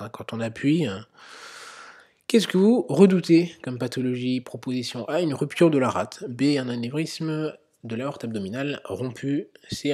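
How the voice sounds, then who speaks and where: A man's voice: mid-range voice, a little mellow, husky. A man, a medical educator, talking through an emergency-medicine quiz in an explanatory way, with many fillers. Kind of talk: narrated quiz lesson.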